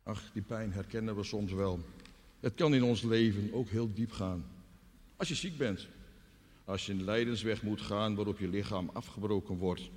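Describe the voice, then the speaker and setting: Low voiced preacher guy, earnest sermon, swings from hushed to crying out, big church echo. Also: normal speed. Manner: earnest, dramatic, with deep quiet drops and sudden cries.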